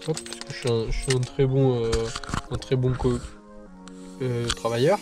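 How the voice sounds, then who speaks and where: A young man with a stuffy, congested voice chats casually to his viewers, wandering through his points with plenty of fillers. His pitch sits in the middle, and music plays clearly behind him. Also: flat delivery, normal speed. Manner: chatty, rambling, with many fillers. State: stuffy nose from a cold. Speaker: vlogger. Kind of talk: casual vlog chat.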